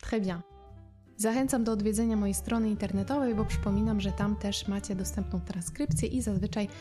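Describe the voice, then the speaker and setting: A woman French teacher explaining phrases in a recorded lesson, patient and clear, slowing down for her foreign examples. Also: mid-range voice, fairly even intonation, over music.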